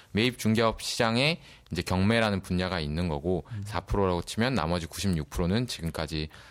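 In a very clean recording with a silent background, a man with a very deep, low voice talks at a moderate pace with ordinary pitch variation. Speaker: startup founder. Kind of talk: interview.

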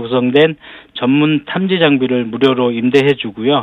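A man with a normal speaking voice talks at a moderate pace, his fairly high pitch held in a fairly even intonation. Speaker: city government official. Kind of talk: formal policy briefing. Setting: phone call. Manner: formal.

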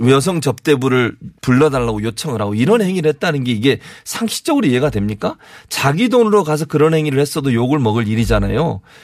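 A man's fairly high voice at a very fast pace, lively in intonation, in a very clean recording with a silent background. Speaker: professor and current-affairs commentator. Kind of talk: radio current-affairs talk. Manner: gets louder when angry.

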